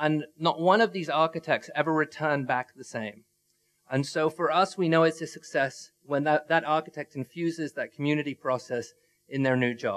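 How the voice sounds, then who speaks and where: In a British accent, the speaker keeps a moderate pace with ordinary pitch variation. The sound is dry and close, with no echo. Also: man, fairly high pitch for a man. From South London, England. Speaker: architect and humanitarian NGO co-founder. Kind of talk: lecture. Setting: public lecture with audience. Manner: casual, conversational with fillers.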